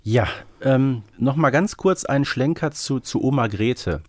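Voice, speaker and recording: A man's voice: mid-range voice, expressive, unhurried, no room sound. Chatty man, dry sound. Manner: chatty, often adds tag questions. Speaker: podcast co-host. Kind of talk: casual podcast discussion of an audio drama series.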